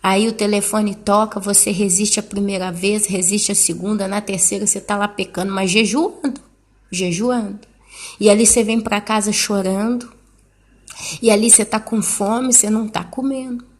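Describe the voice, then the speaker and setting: A woman's voice: mid-range voice, fairly even intonation, normal speed. A woman preaching a sermon, fervent and pleading, speaking straight to the listener.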